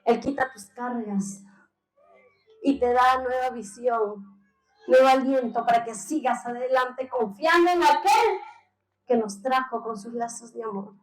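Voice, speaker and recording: A young Peruvian woman, a church member, gives an earnest, tearful testimony to her congregation, addressing them as brothers. Her voice is on the high side and measured in pace, heard in an echoey church hall.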